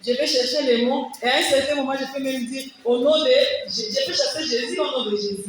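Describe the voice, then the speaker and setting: A woman whose first language is Kiwari defends her thesis, her very high voice explaining earnestly and restarting phrases as she searches for words. She is picked up from a distance in a large hall with heavy echo and a faint hiss beneath. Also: fairly quick. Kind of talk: answering examiners' questions. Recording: echoey hall, distant mic, faint noise.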